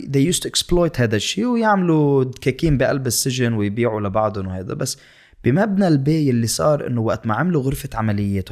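Young Lebanese man, guest in casual chat, quick talker who mixes English words in. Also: medium pitch, a little mellow. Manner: fast, mixes English words into his talk. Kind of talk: casual storytelling.

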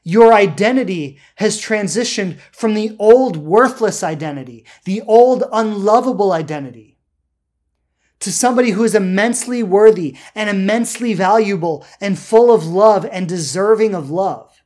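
Emphatic, deliberate spiritual self-help coach. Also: mid-range voice, darkish tone. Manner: emphatic, deliberate, with drawn-out words and rhetorical check-ins. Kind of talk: motivational spiritual talk, unscripted.

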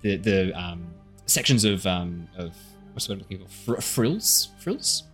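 A man's voice: low voice, lively intonation, measured pace, fairly bright tone, soft background music. A man running a tabletop game as game master, improvising narration and chatting with the players in a self-deprecating, apologetic way.

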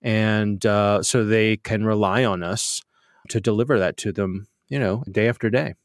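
A man hosting a podcast, chatting with self-deprecating humor and getting animated when he tells stories, with a slightly nasal voice. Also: on the low side, a little slow, no echo, clean studio sound. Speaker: podcast host. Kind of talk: conversational interview answers.

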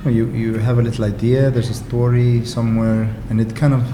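A middle-aged man whose first language is Icelandic, a guest speaking in a casual interview. He has a relaxed, wry, self-deprecating way of talking. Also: mid-range voice, fairly quick. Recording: roomy, with clear ambient background noise.

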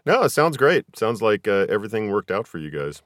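Lively low-pitched man hosting a podcast. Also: fairly quick, no echo, clean studio sound. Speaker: podcast host and audiobook narrator. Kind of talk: casual podcast interview and chat.

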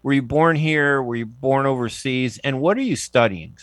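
Older male radio host, rambling and conversational, mid-pitched, dry close sound. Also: moderate pace, a bit bright, no echo. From United States. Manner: chatty, digressive, many restarts. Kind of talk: radio interview.

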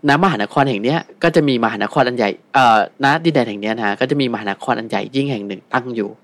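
A man telling a story casually as a guest, relaxed, with many fillers. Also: mid-range voice, quick pace, no echo.

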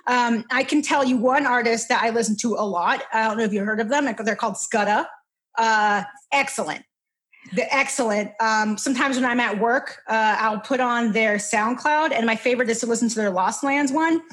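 Twenties girl rambling on a podcast, higher voice, keeps cutting herself off. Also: normal speed, a bit bright. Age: 20s. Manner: rambling, self-interrupting, laughing. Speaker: podcast guest. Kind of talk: casual chat.

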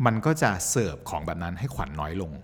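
A low-voiced man chats quickly and with lively rises and falls, acting out quotes as he explains. His voice carries a long reverb tail. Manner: animated, explains with acted-out quotes. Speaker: podcast co-host. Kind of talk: casual podcast chat.

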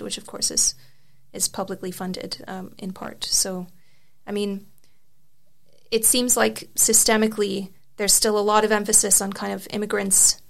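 A young woman who first spoke Serbian explains her views as the guest in a conversational interview, thoughtfully and with frequent fillers and restarts; she is also the article's author. Her voice is medium-pitched, gravelly and fairly bright.

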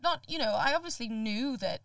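Young woman from Sri Lanka, podcast guest, animated and laughing, dry, slightly distant mic. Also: on the high side, fairly quick, no echo. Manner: animated, laughs often, restarts words. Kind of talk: casual podcast conversation.

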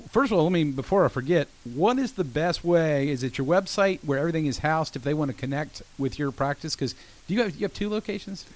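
Fast-talking radio host, man. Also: fairly high pitch, animated. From Georgia, USA. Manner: chummy, joking, quick to banter. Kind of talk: casual radio interview. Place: radio studio.

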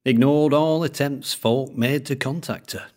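A man voicing an older male collector with a thick Lancashire accent, speaking in a slow, droning storytelling way. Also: mid-range voice, a little mellow, pitched above the performer's own voice, close to an everyday voice.

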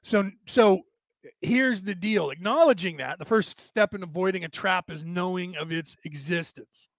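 A man with a raspy, tired, worn-out voice, talking casually and haltingly as he hosts a rambling livestream and answers listeners. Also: high voice, no echo. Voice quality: raspy, damaged-sounding voice from long-standing vocal cord trouble. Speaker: host of a spiritual talk livestream.

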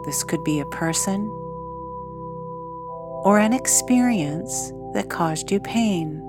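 This meditation guide is a woman whose voice sits slightly low; she talks slowly and expressively, in calm, measured bits with lengthy silences between them. Singing bowls ring through the clear music in the background.

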